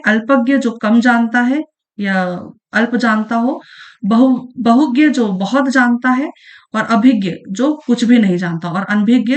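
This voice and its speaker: Patient woman teacher going over exam questions. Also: on the high side. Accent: Chhattisgarhi Hindi. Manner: explains patiently, repeats each definition, checks with "thik hai" and "hai na". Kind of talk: online lesson going through past exam questions.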